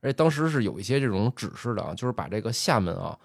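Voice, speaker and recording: Male podcast host, low voice, storytelling chat with many fillers, dry sound. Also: sing-song, creaky, dry recording. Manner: storytelling, drawn-out filler particles. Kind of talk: casual chat.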